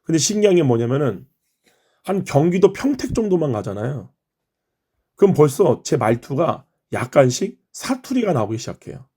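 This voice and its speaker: A man's voice: a little high, sing-song, normal speed, mellow, slightly rough. A middle-aged man from Chungcheong, Korea, leading a morning prayer and explaining his sermon in an earnest, teaching way. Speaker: pastor.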